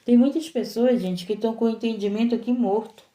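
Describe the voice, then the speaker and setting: A woman preaching with fervor, hammering the same phrases again and again. Her voice is deeply dark and mellow. The room around her rings with echo. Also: fairly even intonation, fast talker. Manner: impassioned, repetitive, emphatic preaching. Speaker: missionary preacher. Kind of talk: sermon.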